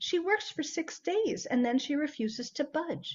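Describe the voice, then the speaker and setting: A woman puts on a squeaky character voice, high-pitched with very wide pitch swings, at a moderate pace. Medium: read story. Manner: firm, grumbling.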